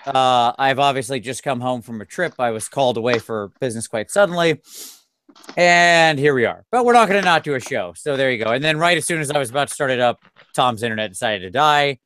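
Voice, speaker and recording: A man hosting a casual tabletop gaming podcast, tired after a long day and talking in an animated, self-deprecating ramble. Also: medium pitch, a little fast, smooth, dry recording. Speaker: podcast host. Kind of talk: casual chat.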